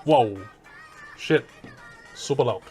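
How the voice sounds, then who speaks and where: A man with a Southeast Asian accent talks through an audio gear review in a casual, informal style. His pitch sits in the middle for a man, and his delivery is blunt and loosely sweary. Faint music plays behind him. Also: slow, mellow. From Southeast Asia.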